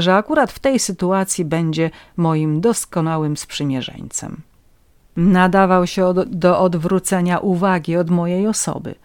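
A woman's voice: fairly low pitch, darkish tone, no echo. A woman narrating a first-person story in a wry, ironic storytelling manner.

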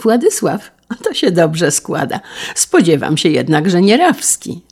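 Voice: medium pitch, sing-song, a little slow, husky, full character voice. A narrator voicing a jovial middle-aged carriage manufacturer who asks hearty, teasing questions in an audiobook. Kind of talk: audiobook character reading.

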